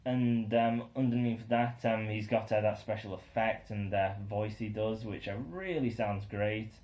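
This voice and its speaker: A man's voice: lowish voice, measured pace, a little mellow. Rambling young man reviewing an album. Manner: rambling, many ums and uhs, enthusiastic. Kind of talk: casual spoken album review.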